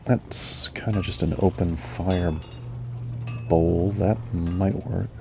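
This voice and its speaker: A man giving calm gaming commentary, musing slowly and mellowly to himself. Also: sits low, creaky, slight background noise. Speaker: gamer.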